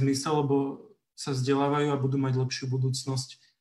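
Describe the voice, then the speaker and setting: This man's voice has a fairly high pitch. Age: 20s. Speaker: student, charity social media volunteer. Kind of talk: live stream interview. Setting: video call.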